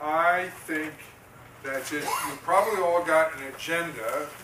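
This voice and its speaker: A man is talking here. Background noise is noticeable behind him. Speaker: community meeting moderator. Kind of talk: meeting opening remarks. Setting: public meeting room with audience. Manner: halting, repeats words. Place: meeting room. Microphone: camera far.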